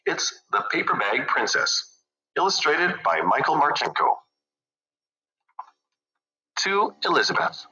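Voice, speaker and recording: A man hosting a storybook show, narrating a children's story in an animated, scripted read-aloud style. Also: on the high side, normal speed, dull audio.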